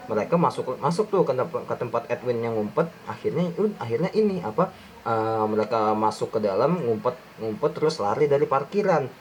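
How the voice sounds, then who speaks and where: A young man talks through a film breakdown in a loose, slangy way. He keeps restarting his sentences and reaching for words. His voice sits at an ordinary pitch, with faint noise in the background. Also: expressive, fairly quick, rough recording. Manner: rambling, many restarts and fillers, slangy Jakarta-style speech. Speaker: film review YouTuber. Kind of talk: casual film breakdown commentary.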